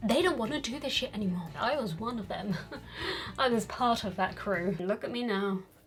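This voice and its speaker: A woman with a British accent and a fairly high pitch talks at a moderate pace with lively intonation over noticeable background noise. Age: 20s. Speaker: mental health vlogger. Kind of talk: casual vlog monologue. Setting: seated in a spinning chair. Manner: animated.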